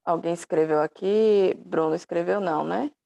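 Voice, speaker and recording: A woman's voice: fairly low pitch, moderate pace, creaky, mellow, lo-fi sound. A woman teaching an online class through her laptop microphone, patiently explaining step by step and affectionately calling her students dear.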